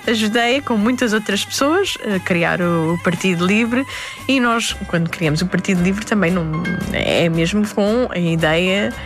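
A woman in her forties, born in Lebanon, guest in an interview, telling her story in a lively way and quoting the people in it. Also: mid-range voice, a little slow, over music. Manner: animated storyteller, quotes herself and others. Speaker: interview guest, publisher and party co-founder. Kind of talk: conversational interview.

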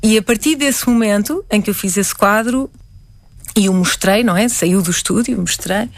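A woman's voice: mid-range voice, moderate pace, dry recording. A woman from Portugal with a European Portuguese accent, a painter answering interview questions reflectively, often restarting her words.

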